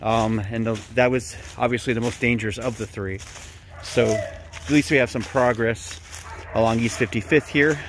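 A man's voice: medium pitch, fairly even intonation, normal speed. A man walking outdoors on a city street, talking casually to his phone camera as he reports on abandoned houses, with plenty of ums and restarts. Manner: rambling, many ums and restarts. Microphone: handheld phone camera. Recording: faint street noise outdoors.

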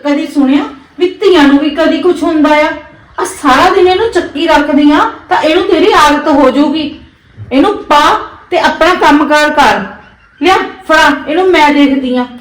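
A woman's voice: high-pitched, moderate pace, echoey room, natural voice, poor audio. An actress playing a stern Punjabi mother-in-law who scolds her daughter-in-law and belittles baby girls, speaking in a Punjabi accent. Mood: scolding. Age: older. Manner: scolding, bossy. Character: stern grandmother who scorns girls, then repents. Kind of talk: short-film drama acting.

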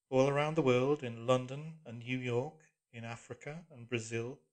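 A man narrating a literary novel as an audiobook in a measured, solemn manner. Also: mid-range voice.

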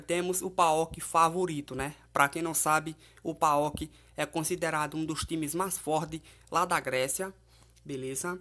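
A man's voice: on the high side, bright, forceful tone. A man with a Brazilian accent presenting informal football betting previews as a tipster, in a conversational way with frequent tag questions. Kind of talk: informal match preview and betting tips commentary.

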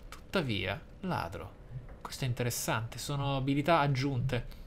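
With an animated delivery at normal speed, this medium-pitched let's player reads in-game skill descriptions and comments in formal, long-winded language. Slight background noise is audible.

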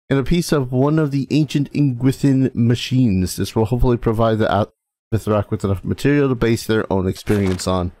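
A man's voice: medium pitch, darkish tone. A man hosting a let's play as game master, chatting casually with hesitant, dry, self-mocking humor. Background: game music.

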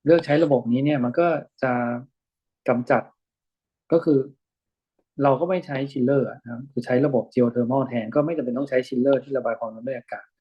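A man in a relaxed lesson, explaining an article slowly and thinking aloud with many pauses and fillers. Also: mid-range voice, husky. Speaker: lecturer reading an article with students. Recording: dull lo-fi recording.

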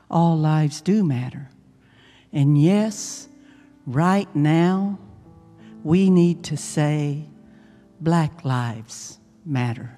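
A woman with a lowish, soft-toned voice leads a guided meditation as a minister. She phrases deliberately and soothingly, leaving long gaps. Her words ring in a long reverb. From United States. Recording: long reverb, music behind. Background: instrumental meditation music.

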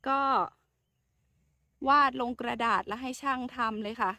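A woman's voice: a little high, a little slow, no room sound. A woman chatting casually and politely as she walks through her home garden outdoors, showing her plants. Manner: chatty, soft-spoken, polite with frequent particles. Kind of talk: casual garden tour vlog.

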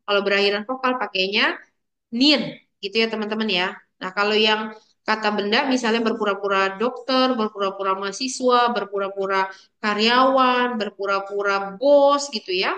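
A woman's voice: medium pitch, fairly quick, bright, forceful tone. A young adult woman teaching an online language lesson, chatty and playful, calling on her students by name.

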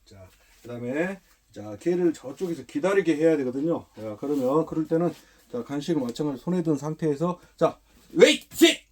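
Husky-voiced man giving firm dog commands. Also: on the high side, a little fast. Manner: short firm commands mixed with calm explanation. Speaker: dog trainer. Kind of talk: hands-on training demonstration. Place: indoors, a room.

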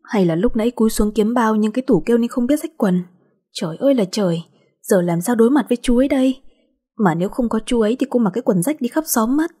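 A woman's voice: on the high side, animated, warm tone, husky, pitched above the performer's own voice. A woman voicing a cheeky country girl of nearly eighteen who answers back with teasing retorts. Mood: flustered. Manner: sassy, quick retorts, teasing.

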